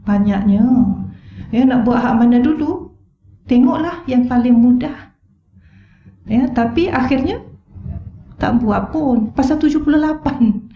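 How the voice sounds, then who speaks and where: A woman's voice: fairly high pitch, unhurried, pauses often. A middle-aged Malaysian woman giving a religious lecture in a mosque hall, earnest and asking the audience rhetorical questions. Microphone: wireless mic. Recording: roomy, dull-toned hall recording.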